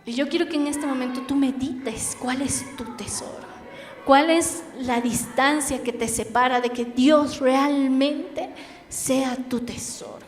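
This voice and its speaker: A young woman with a Bolivian Spanish accent preaching a sermon in an earnest, emphatic way with dramatic pauses. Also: high voice, steady tone. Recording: echoey hall with faint noise.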